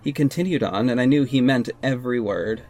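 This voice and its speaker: A man's voice: medium pitch, brisk, darkish tone, soft background music, natural voice. An actor playing a hurt young gay man who narrates and speaks in an audio drama, earnest and emotional. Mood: somber narrating. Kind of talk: audio drama acting and first-person narration.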